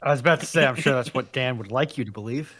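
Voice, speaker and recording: A man's voice: mid-range voice, fast talker, a bit bright. A man on a livestream panel, chatting casually and chipping in with questions and remarks. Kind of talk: casual chat.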